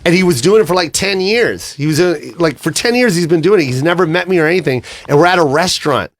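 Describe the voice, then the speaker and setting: A man's voice: on the high side, fast. A middle-aged man, a comedian guest, telling stories in casual studio chat with laughter. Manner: animated, laughing storyteller. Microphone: studio microphone.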